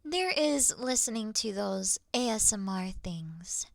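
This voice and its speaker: Woman playing a slow, soft-spoken moth girl. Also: medium pitch, expressive, creaky, dry recording, clean studio sound. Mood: soft, musing. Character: awkward, officious young female moth monster offering comfort. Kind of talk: scripted ASMR roleplay, sleep aid.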